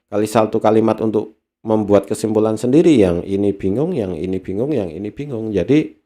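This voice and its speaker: A man explaining a talent analysis in a relaxed seminar style. His delivery is conversational and full of small fillers. Now and then he acts out everyday examples in other voices. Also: fairly low pitch.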